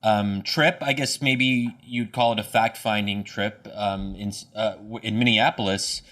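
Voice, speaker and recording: A man's voice: on the low side, fairly even intonation, unhurried, a bit bright, recorded from a distance. A man co-hosting a podcast, easygoing and casual as he introduces a guest over a remote call. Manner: easygoing, laughs between phrases. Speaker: podcast co-host.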